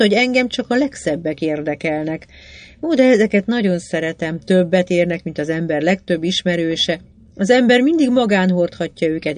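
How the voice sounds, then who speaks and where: A woman reading aloud, voicing a young wealthy woman who adores jewels, with a bright, breathless and eager sound. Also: on the low side.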